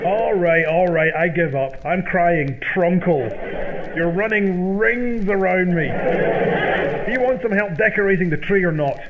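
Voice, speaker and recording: A man's voice: sits high, expressive, a little slow, background noise. A man acting as an eager, naive sidekick in an old-time radio comedy, with exaggerated gee-whiz delivery. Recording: dull lo-fi old-radio sound, music behind.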